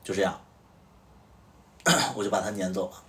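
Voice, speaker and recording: A man's voice: sits low, steady tone, moderate pace, fairly bright tone, distant mic. A man hosting a livestream, casually telling a story and acting out what each person said. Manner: recounts events through reported dialogue. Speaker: livestream host.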